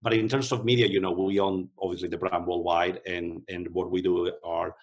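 A man's voice: deep voice, flat delivery, normal speed. A man from Spain with a Spanish accent, an executive answering interview questions thoughtfully, often restarting with fillers. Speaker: company executive.

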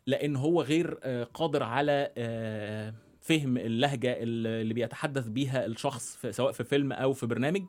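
A man from Egypt with a Cairene Egyptian Arabic accent, a journalist guest on an interview podcast who pauses and restarts as he thinks. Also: medium pitch. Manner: thoughtful, many hesitations and restarts. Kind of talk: conversational interview. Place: radio studio.

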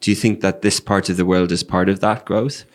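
A man with a deep, low voice interviews a guest in a conversational way. He often repeats the other person's phrases back, then builds his question from there. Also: fairly even intonation, fairly quick. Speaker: interviewer, host.

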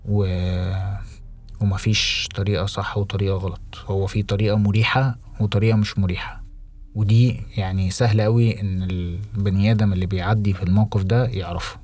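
Low-voiced Egyptian man musing on a podcast. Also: little pitch movement, a little mellow. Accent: Egyptian Arabic. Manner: reflective, halting, many restarts and English phrases. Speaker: podcast co-host. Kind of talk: casual podcast conversation.

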